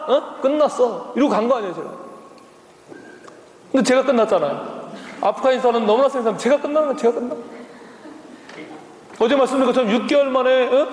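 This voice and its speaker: Very high-voiced preacher in an echoing hall. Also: male voice. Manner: animated storytelling with frequent tag questions. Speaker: missionary preacher. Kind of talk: sermon. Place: church sanctuary. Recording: echoey hall with long reverb.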